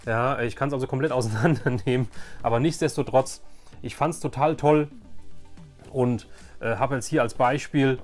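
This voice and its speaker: A man's voice: medium pitch, normal speed, faint music behind. A man in his forties chatting casually and enthusiastically in a nostalgic vlog, rambling and repeating himself for emphasis. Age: 40s. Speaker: YouTube host. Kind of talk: casual nostalgic vlog chat about collecting.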